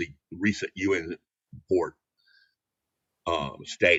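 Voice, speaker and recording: The speaker has a strong Southern US accent. The pace is fairly slow. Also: man. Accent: huge Southern drawl. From US South, North Carolina. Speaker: political activist and author. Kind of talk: casual chat. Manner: halting.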